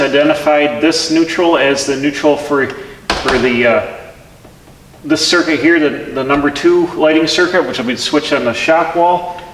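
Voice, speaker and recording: A DIY channel host with a slightly high voice explains his work step by step as he goes in a pole barn workshop, thinking aloud and restarting often in a casual way. The barn is echoey and reverberant, and there's background noise.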